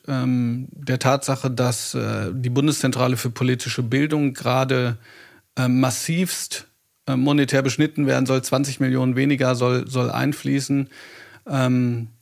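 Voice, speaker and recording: Guy hosting a podcast, gravelly voice, rambles along excited, lots of ums. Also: medium pitch. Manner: rambling, enthusiastic, many fillers. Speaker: podcast host, German teacher. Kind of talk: casual interview talk.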